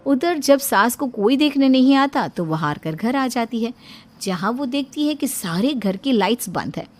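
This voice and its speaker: A woman narrating a cartoon family story in a steady storytelling manner. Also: a little high, normal speed, soft background music.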